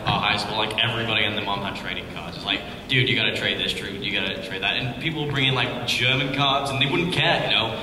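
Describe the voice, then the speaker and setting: Man, casual panelist, mid pitch, acted-out quotes, very echoey, far from mic. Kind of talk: casual chat at a convention panel. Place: large convention panel hall. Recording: echoey hall, distant camera, noisy room.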